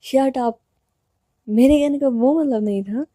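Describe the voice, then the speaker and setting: A woman voicing a quick-tempered but loving young college woman who scolds loudly and often turns indignant. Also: high-pitched, no echo, studio quality.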